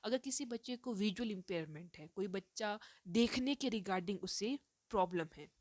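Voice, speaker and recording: Brief: woman lecturer, mid pitch, explains step by step with English terms mixed in, pauses on "uh", dry close recording. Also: lively intonation, no room sound. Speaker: teacher. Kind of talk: recorded lecture on teaching reading.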